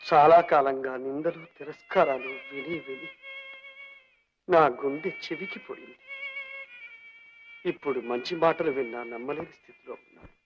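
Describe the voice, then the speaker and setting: A ruined old millionaire chokes out his grief in a high, wavering voice that swings wildly up and down. The old film soundtrack is dull, with faint music underneath. He sounds broken and full of self-pity. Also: huge pitch swings, moderate pace, pauses often. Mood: broken despair. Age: older. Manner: choked, grieving and self-pitying.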